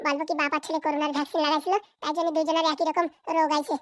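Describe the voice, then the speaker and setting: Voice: sits high, flat delivery, very fast, fairly bright tone, dry recording. A performer voicing a ruthless, ambitious, bossy wife and mother in a Bangla comedy cartoon, scheming coldly.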